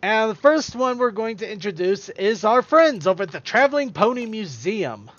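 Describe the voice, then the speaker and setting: A high-voiced man hosts a podcast, rambling through casual chat and stumbling over his words, animated and at a moderate pace with a fairly bright tone. The audio from a stream is dry, close and slightly dull and lo-fi, with no room sound.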